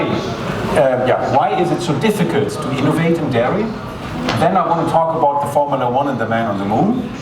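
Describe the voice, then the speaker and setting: A man's voice: medium pitch, very noisy. German-accented man speaking in an echoey hall. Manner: measured, explanatory, occasional restarts. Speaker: conference speaker. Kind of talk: conference presentation. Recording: echoey hall, distant mic, loud ambience.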